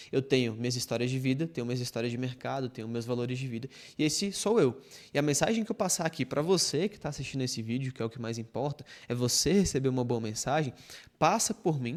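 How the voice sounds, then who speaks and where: This man talks very fast at a medium pitch, with ordinary variation in his pitch. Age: 20s. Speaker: digital marketing coach. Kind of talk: tutorial. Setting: screen-share recording.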